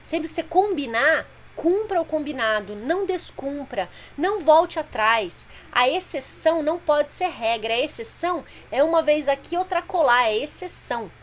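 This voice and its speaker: A woman's voice: high-pitched, lively intonation, normal speed, few pauses. A woman parenting coach talking directly to mothers on a live stream, explaining plainly and patiently. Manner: explanatory, plain-spoken, addresses viewers directly.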